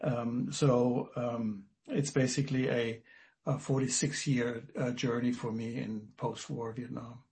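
Male guest professor, 60s, from Germany, measured and halting. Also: mid-range voice, little pitch movement, a little mellow. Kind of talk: radio interview.

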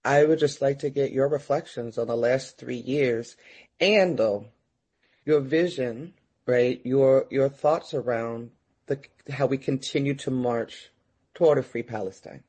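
A man with a husky voice asks an interview question at a middling pitch. He restarts and gropes for the right phrasing as he goes. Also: darkish tone. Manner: halting, searching for words.

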